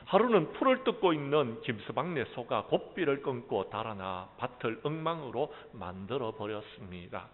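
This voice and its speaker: A man's voice: medium pitch, big pitch swings, normal speed, few pauses. A pastor preaching a sermon with earnest storytelling and often addressing his listeners. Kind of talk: sermon with folk-tale storytelling. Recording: echoey hall, phone-like sound.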